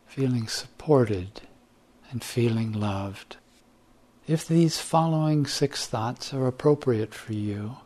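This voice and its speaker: A man narrating a guided meditation in a calm, soothing, measured way with long pauses. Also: medium pitch.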